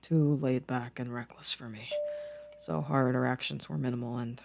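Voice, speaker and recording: A man playing a gentle, introspective boyfriend in an intimate ASMR roleplay, soft-spoken with careful, formal wording. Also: mid-range voice, fairly even intonation, moderate pace, gravelly, faint music behind, close to an everyday voice. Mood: wistful, reflective. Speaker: audio roleplay voice actor.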